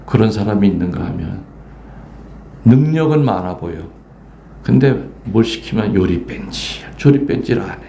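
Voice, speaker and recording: A man's voice: on the low side, expressive, normal speed, gravelly, warm tone, slight background noise. An older man, a Catholic priest, giving a playful sermon, teasing the congregation and acting out voices in a folk story. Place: church. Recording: echoey church room, faint ambience.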